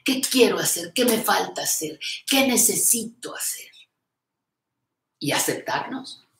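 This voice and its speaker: In an echoey room, an older woman whispers in a gravelly, medium-pitched voice, animated but unhurried. Hosting a live stream about creative aging, she reads out viewer comments and replies with affection and encouragement, addressing people as "reina."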